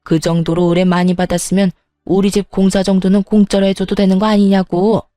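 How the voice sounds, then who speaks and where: A scheming older mother-in-law, put on by a woman narrator, haughty and unhurried in a storybook reading. Her tone is warm and dark, set against faint background music. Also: medium pitch, level tone, no echo, clean studio sound, close to an everyday voice. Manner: haughty, slow and deliberate.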